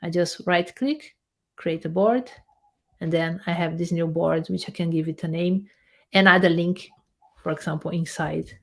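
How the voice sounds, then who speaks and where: A woman researcher and software developer, a guest in a casual interview, talking animatedly as she walks through a software demo on screen. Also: lowish voice, moderate pace, creaky. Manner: animated, explains while clicking through a screen demo, many restarts.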